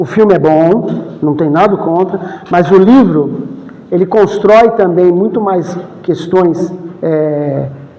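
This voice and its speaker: A man with a high pitch, ordinary pitch variation, and a very slow pace broken by long, frequent pauses, plus noticeable background noise and audible room echo. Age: 60s. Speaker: spiritist lecturer. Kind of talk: lecture. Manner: conversational, interacts with audience.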